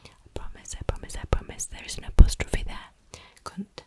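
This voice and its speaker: A woman from Yorkshire with a Yorkshire accent, whispering softly and repeating dialect words over and over in an ASMR style. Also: normal speed. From Yorkshire, England. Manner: soft repetitive whispering of single words.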